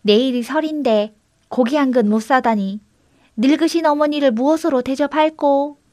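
Brief: woman doing a tiny white talking goat in a storybook, parroting words, high-pitched and dry. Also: moderate pace, darkish tone, dry recording, lightly acted. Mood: mimicking. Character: small white talking goat, mimics every word.

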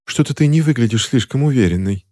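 A man's voice: mid-range voice, lively intonation, fast talker, a little mellow, voice pushed up, lightly acted. A man reading an audiobook voices a timid, curious teenage girl who asks hesitant questions. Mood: doubtful.

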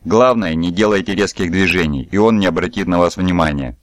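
A calm, self-assured stranger speaks in an easy, disarming way, read by a deep-voiced man. The low voice sits close and dry, with no room around it, and the tone stays unhurried. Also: dry recording, close to an everyday voice.

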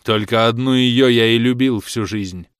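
A man's voice: mid-range voice, moderate pace, clear, resonant tone, dry recording, clean studio sound, natural voice. A man voicing a jealous, furious young man who hurls accusations at his lover in a raised, scornful voice. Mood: cold scornful. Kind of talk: audiobook character reading.

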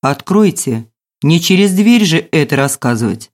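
A woman's voice: extremely low pitch, normal speed. A woman reader voicing a gloomy, stern tall man in black in an audiobook. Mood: sullen. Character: sullen tall male thug.

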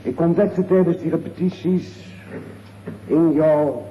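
A man's voice: fairly high pitch, takes it slowly, dull audio, a little hiss or hum. A man with a Netherlands Dutch accent giving a formal tribute speech in solemn, declamatory, weighty phrases, recorded from a distance in a large echoey room.

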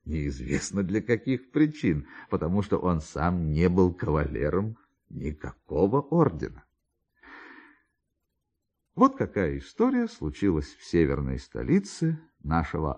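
A male narrator performs a literary tale for radio. His low voice moves through wide swings of pitch, theatrically stretching words and pausing for emphasis. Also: wildly swooping pitch, dark tone.

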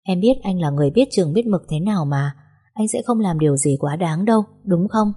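A woman voicing a gentle young wife, speaking softly and politely. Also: on the low side, lively intonation, a little fast, slightly rough. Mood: tender. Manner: soft, polite, pleading.

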